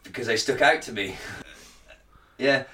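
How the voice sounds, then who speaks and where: A British man co-hosting a podcast, joking loudly and swearing in casual chat. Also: medium pitch, distant mic, a little hiss or hum. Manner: loud, sweary, jokey, quick to laugh. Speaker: podcast co-host.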